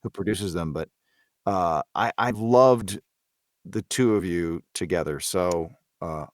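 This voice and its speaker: Male podcast guest, fairly low voice, very dry sound, halting as he picks his words. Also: dry recording. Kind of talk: casual interview discussion.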